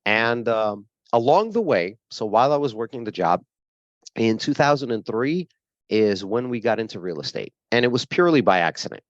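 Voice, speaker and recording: A Brooklyn-raised man in his forties, with the accent to match, tells his life story as an interview guest, full of fillers and laughter. His voice is fairly low and very animated at a moderate pace. The recording is dry and muffled.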